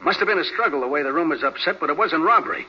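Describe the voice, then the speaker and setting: An American actor playing a gruff, blunt, slangy police sergeant in a 1940s radio crime drama. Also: male voice, on the high side, expressive, rapid-fire. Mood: matter-of-fact. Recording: dull 1940s radio recording.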